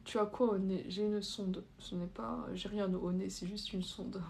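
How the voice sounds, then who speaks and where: A woman's voice: mid-range voice, fairly even intonation, measured pace, vocal fry, a little mellow, slight background noise. A young adult woman chatting informally on a livestream, reading out comments and answering them bluntly in hesitant, loose phrasing. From France. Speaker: livestream host. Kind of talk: casual live chat, reading out and answering viewer comments.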